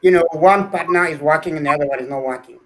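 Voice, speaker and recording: A man's voice: on the high side, fast talker, a bit bright, poor audio. A middle-aged man from Kenya, a scholar answering interview questions earnestly, often repeating words as he builds a point. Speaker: guest scholar.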